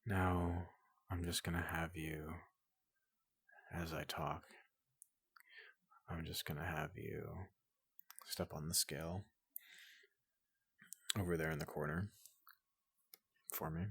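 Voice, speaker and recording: A man voicing a tall, gentle robot doctor in soft ASMR roleplay, hesitant and politely clinical, often slipping into a whisper, close to the microphone. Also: a bass voice, level tone, takes it slowly, long pauses, dry recording, heavily acted. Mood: calmly clinical. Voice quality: breathy, gravelly, often dropping into whisper.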